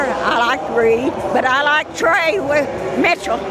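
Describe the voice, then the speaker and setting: A woman speaking very slowly amid loud background noise. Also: dry sound with no echo. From Kentucky. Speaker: basketball fan. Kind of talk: interview answer. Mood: warm, enthusiastic. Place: stadium. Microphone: lapel.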